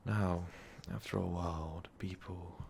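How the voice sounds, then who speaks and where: A man voicing an ancient, brooding, power-hungry vampire overlord in an ASMR roleplay, talking haltingly and often slipping into whispers. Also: low voice, fairly even intonation, creaky, a little mellow, slight background noise. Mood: brooding, proud. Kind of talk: ASMR roleplay monologue, intimate storytelling.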